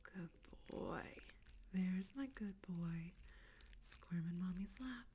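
A woman whispering close to the mic in a soft, coaxing, teasing audio roleplay. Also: on the low side, takes it slowly, a little hiss or hum.

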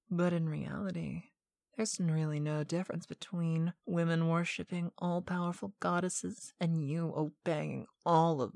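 With a lowish voice and darkish tone, a woman acts out a scripted hypnosis monologue as a sweet but stern dominant mistress. She speaks deliberately and with command, breathing some phrases in a whisper, and the recording has no echo.

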